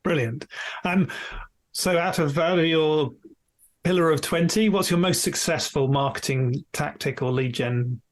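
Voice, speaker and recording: A man hosting a business podcast, asking his set questions briskly. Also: fairly high pitch. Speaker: podcast host. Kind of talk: podcast interview.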